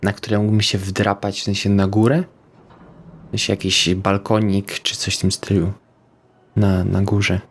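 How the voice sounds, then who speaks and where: A man's voice: on the low side, level tone, a little slow, slight background noise. A man playing a tabletop game, asking hesitant questions with fillers. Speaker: player. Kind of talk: casual tabletop play.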